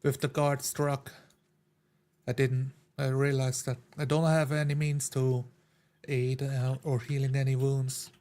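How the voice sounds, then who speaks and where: A man's voice: medium pitch, flat delivery, a little slow, warm tone, close to an everyday voice. A man playing a proud, guarded adventurer from foreign lands in a tabletop game, formal and stern. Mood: polite, practical. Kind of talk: in-character tabletop roleplay.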